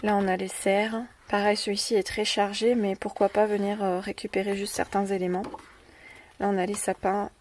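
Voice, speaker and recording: A French-accented woman casually walks through a craft haul for her scrapbooking video, using a mid-range, slightly mellow voice at a moderate pace and a level tone. She's hesitant, full of fillers and repeated words, recorded on a distant mic with faint noise.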